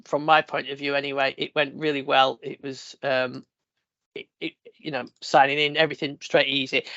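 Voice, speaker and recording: Sniffly podcast host. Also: male voice, a little high, fairly bright tone, no room sound, highs cut off. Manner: rambling, many fillers and restarts. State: sniffly with a cold. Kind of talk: casual tech podcast chat.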